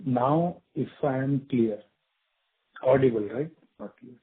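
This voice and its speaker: A man's voice: medium pitch, slow, husky. A man with an Indian accent calling in as an individual investor, asking conversationally and often seeking confirmation. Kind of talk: conversational question on a conference call. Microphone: phone. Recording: poor, muffled breaking-up phone line.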